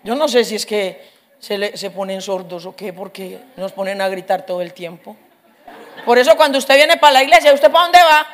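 A middle-aged woman preaching a humorous testimony, telling her story lively and acting out the voices of others. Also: mid-range voice, normal speed, noisy background. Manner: lively storyteller, acts out voices, laughs often.

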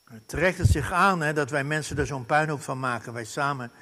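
A male pastor preaching a sermon, earnest, with wide swings from loud to hushed and frequent tag questions. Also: fairly high pitch, a little fast.

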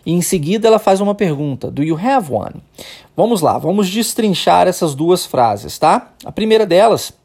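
A Brazilian man hosting an English-lesson podcast, explaining step by step, often checking in with "tá?" and slowly demonstrating sounds. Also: high-pitched, lively intonation, a little mellow, breathy edge. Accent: Brazilian Portuguese. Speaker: English teacher, podcast host.

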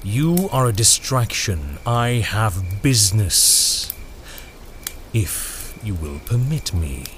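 An actor playing a sinister, poetic gentleman stranger in a dark audio drama, speaking with formal, measured menace. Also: fairly low pitch, sing-song, noisy background. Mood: cold menace. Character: sinister, courtly, poetic stranger in fine clothes.

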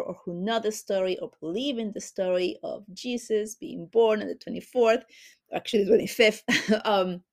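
A Chilean woman hosts a spiritual podcast and works as a spiritual healer. She speaks softly and reverently at medium pitch, drawing out her words.

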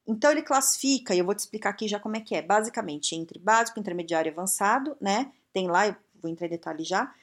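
Blunt, lively Brazilian woman giving advice. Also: mid-range voice, fast, few pauses. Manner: blunt, frank and emphatic, with many rhetorical questions. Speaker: career and English-learning advice speaker. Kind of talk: casual direct-to-viewer advice talk.

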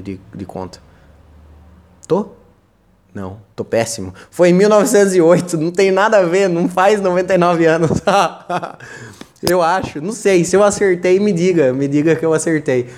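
A Brazilian man hosts a loose, comedic podcast monologue, wandering from point to point. He trips over his words and repeats them as he goes, and keeps a joking tone throughout. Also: high voice. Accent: Brazilian Portuguese. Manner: rambling, stumbles and repeats words, jokey. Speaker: podcast host.

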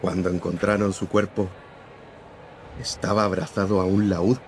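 A man's voice: deep voice, flat delivery, normal speed, slight background noise, lightly acted. An actor playing a firm, principled newspaper editor-in-chief who lectures his young reporter in a radio drama. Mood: earnest. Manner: firm, lecturing, morally serious.

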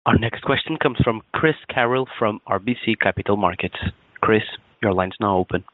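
A man with a slightly low voice announces as a conference call operator in a scripted way. The sound is dry and limited to a phone band. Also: moderate pace, no room sound, phone-quality sound.

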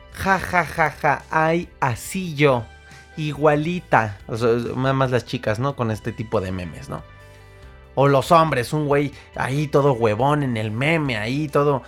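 A man with a Mexican accent hosting a motivational podcast monologue, speaking earnestly and emphatically straight to the listener. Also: medium pitch. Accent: Mexican Spanish. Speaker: podcast host.

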